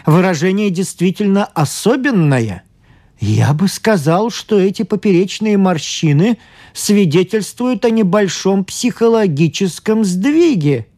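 Female reader voicing proud male expert, calm lecturing tone, storybook. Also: medium pitch, measured pace, voice pushed up. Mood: haughty. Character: haughty, self-assured male scientist.

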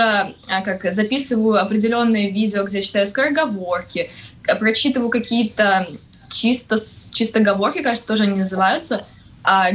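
A woman's voice: a little high, fairly bright tone. A young woman talking casually in an interview, with a speech impediment that keeps her from pronouncing a hard R. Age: young adult. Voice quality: cannot roll a hard Russian R. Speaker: TikTok content creator, guest.

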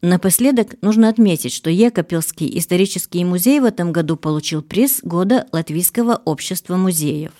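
A woman's voice: fairly low pitch, a little fast, hardly any pauses, dark tone. A woman radio reporter reading scripted feature narration.

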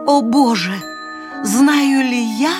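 A woman voicing a faithful, grey-haired old woman in a radio fairy tale, speaking slowly in a raised, pleading voice. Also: over loud music. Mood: yearning. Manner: slow, pleading, raised pitch.

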